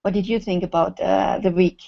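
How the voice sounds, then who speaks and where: A woman answering as an interview guest in a halting way with long pauses, on a muffled web call. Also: lowish voice, fairly even intonation, vocal fry. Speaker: guest, course facilitator. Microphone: online video call.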